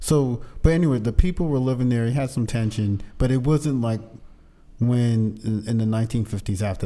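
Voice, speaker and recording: A man's dark, mellow voice with an American accent. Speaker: podcast co-host. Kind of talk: interview. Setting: studio.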